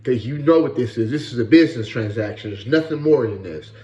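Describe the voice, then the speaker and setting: A man's voice: mid-range voice, a little fast, mellow, reverberant, muffled recording. A man in his late thirties giving blunt, profane casual commentary and often repeating "bro" and "you know what I'm saying.". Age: 30s. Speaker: podcast host.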